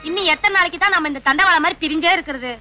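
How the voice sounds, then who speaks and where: A woman's voice: very high-pitched, very fast, pushed and bright. A woman as a girlfriend teasing and pressing her lover about marriage in film comedy dialogue. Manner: teasing, prodding questions.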